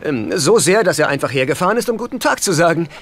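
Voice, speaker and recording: A man's voice: on the high side, big pitch swings, fast, fairly bright tone. An actor dubbing a whiny, flustered, freeloading middle-aged father in a sitcom, fussy and pleading. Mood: wheedling. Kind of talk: dubbed sitcom acting. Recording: sitcom soundtrack with noisy laughter behind.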